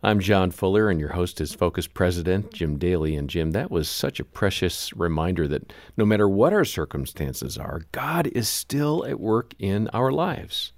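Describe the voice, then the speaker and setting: Low, creaky-voiced man, lively intonation. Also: normal speed, few pauses, dry recording, studio quality. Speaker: radio show co-host. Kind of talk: reflective scripted broadcast talk with the host.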